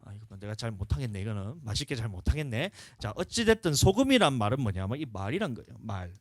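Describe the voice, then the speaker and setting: A man's voice: mid-range voice, sing-song, quick pace, dry recording, clean studio sound. A male pastor with a Gyeongsang accent preaching a sermon in a folksy, storytelling way, urging the congregation along. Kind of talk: sermon at a revival service.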